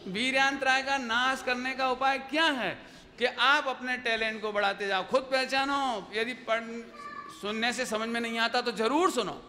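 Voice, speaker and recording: A man giving a devotional sermon to an audience, telling stories and asking his listeners questions. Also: very high voice. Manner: lively storytelling, asks the audience questions. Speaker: religious teacher giving a discourse. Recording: long hall reverb with faint background noise.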